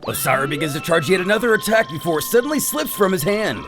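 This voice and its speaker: A man narrates a comic recap in a dramatic, scripted style. His voice is slightly high and moves with lively intonation. Music plays behind him. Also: quick pace.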